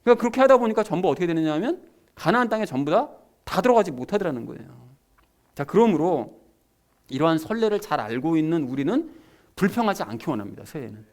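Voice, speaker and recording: Man, pastor, sermon, conversational, emphatic, fast talker, lively pitch. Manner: conversational, emphatic, addresses congregation directly.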